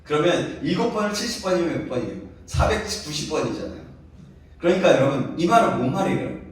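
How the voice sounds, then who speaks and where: A man's voice: on the high side, animated, quick pace. A male pastor giving a sermon to a youth congregation, conversational and full of questions to the listeners. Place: church sanctuary. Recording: very echoey hall, voice from a distance.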